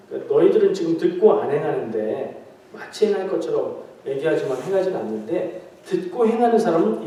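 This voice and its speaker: A pastor preaches a conversational midweek prayer meeting sermon in a church sanctuary, asking the congregation questions and joking with them. His voice is fairly high and warm, recorded from a far-off mic in a very echoey space.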